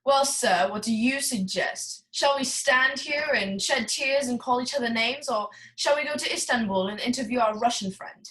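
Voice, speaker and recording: A woman's voice: fairly high pitch, normal speed, few pauses, fairly bright tone, natural voice, rough recording. A woman playing a genteel, scheming male crime boss with pompous, formal, theatrical speech in a noir radio play. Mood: resolute.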